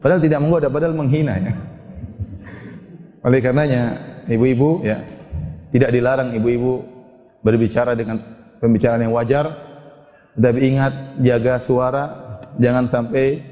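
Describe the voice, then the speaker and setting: A male Islamic preacher, lecturing a women's audience and reciting scripture slowly before explaining it. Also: mid-range voice, steady tone, mellow. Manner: recites Arabic verses slowly then explains. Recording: long hall reverb.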